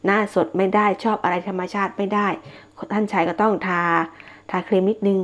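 A woman's voice: medium pitch, flat delivery, a little fast. A woman giving a casual, chatty monthly tarot horoscope reading, often repeating herself and using fillers. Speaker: tarot reader.

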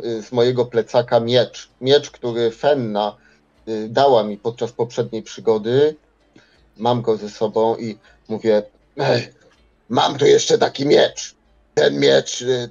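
A man's voice: medium pitch, vocal fry, a little mellow, dull audio. A man roleplaying in a tabletop game, talking hesitantly and wordily and repeating himself. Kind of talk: improvised in-character roleplay.

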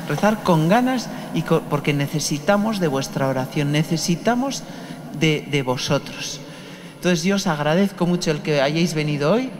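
Sacerdote español con eco de catedral. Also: male voice, on the high side. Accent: Spanish from Spain. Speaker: Catholic priest leading Mass. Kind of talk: homily and liturgical prayer. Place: large stone cathedral, indoors. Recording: long cathedral echo with noise.

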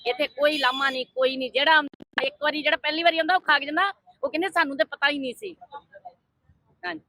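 A woman's voice: high-pitched, steady tone, fast, sharp tone, no room sound, low-quality recording. An older woman who cooks at her family food stall, speaking in a devout, matter-of-fact way. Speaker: food stall cook, mother. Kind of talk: casual interview.

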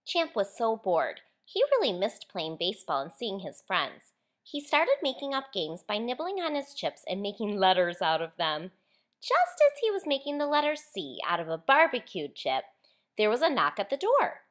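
A woman author reading a children's story aloud in an expressive, clearly enunciated storytelling style. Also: mid-range voice, moderate pace. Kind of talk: expressive children's picture book read-aloud.

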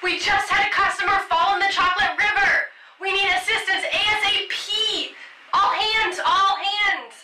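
Woman acting as urgent female staffer, very high voice, distant roomy sound, music behind, comic walkie-talkie call. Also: fairly even intonation, moderate pace. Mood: urgent alarm. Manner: urgent, alarmed. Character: frantic female cookie company staffer calling for help.

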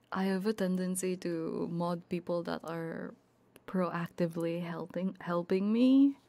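Girl doing an asmr stream, giggly chatty, kinda creaky mellow voice, drops into whispers. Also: on the low side. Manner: giggly, bantering. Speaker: livestreamer and ASMR host. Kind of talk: casual livestream chat with viewers; ASMR, often slipping into soft whispers.

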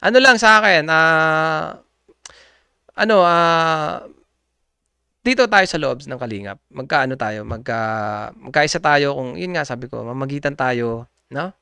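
A man's voice: on the high side, measured pace, creaky, long pauses, bright, forceful tone, clean tone, dry recording. A man speaking casually and politely to viewers, rambling with many hesitations and fillers, often laughing. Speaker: community group member addressing viewers. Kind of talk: casual unscripted monologue.

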